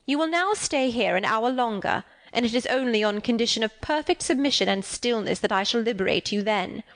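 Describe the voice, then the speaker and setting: A woman's voice: fairly high pitch, lively intonation, a little fast. A woman reading an audiobook, voicing a cold, stern aunt who gives clipped, peremptory commands.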